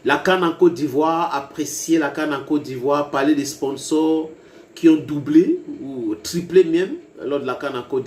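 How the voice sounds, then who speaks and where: Emphatic commentator, echoey room. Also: male voice, medium pitch, darkish tone, slight background noise. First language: English. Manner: emphatic, rising to heated bursts, addresses viewers directly. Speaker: online political commentator. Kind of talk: video commentary to viewers. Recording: roomy echo with faint ambience.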